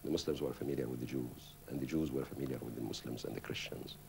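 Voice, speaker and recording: A man's voice: rumbling low, fast talker, creaky, darkish tone, slight background noise. A man from Palestine, interviewed, telling reflective and emphatic memories of growing up. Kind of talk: interview recollection.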